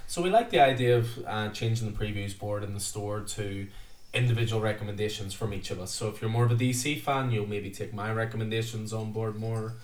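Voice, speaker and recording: A man's voice: lowish voice, brisk, a little hiss or hum. A man hosting a casual podcast chat, rambling and chatty with filler words. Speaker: podcast host, comic shop staff. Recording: roomy, distant mic.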